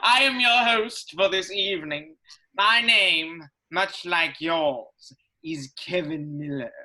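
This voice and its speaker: A performer playing a pompous, menacing gentleman host in a comedy sketch, with grandiose, drawn-out delivery. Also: medium pitch. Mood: grandly sinister. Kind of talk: staged reading of comedy sketch.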